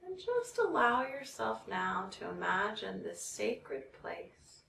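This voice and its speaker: A woman leading a guided meditation in a soothing, measured way, leaving long pauses between phrases. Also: mid-range voice, sing-song, creaky, sharp tone. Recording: roomy, distant mic, background noise.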